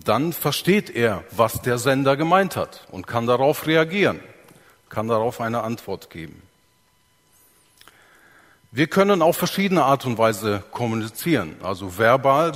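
A man's voice: medium pitch, fairly bright tone. Male preacher, teaching sermon, explains step by step and asks his listeners questions, long hall reverb. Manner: explains step by step, acts out examples, asks the audience.

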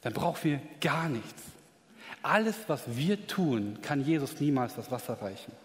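Emphatic preacher in a reverberant hall. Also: male voice, medium pitch, measured pace. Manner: emphatic, rising to excited peaks. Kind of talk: sermon.

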